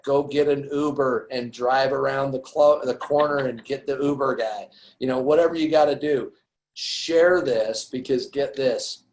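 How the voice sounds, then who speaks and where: A man's voice: medium pitch, a little mellow, a little hiss or hum, rough recording. A man hosting a company call, upbeat and effusive in his praise, repeating his points. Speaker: host, company presenter.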